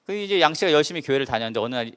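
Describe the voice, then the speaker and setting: A male pastor preaching a sermon and retelling a story, putting rhetorical questions to the congregation in an animated way. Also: fairly high pitch, racing, clean tone. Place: church service.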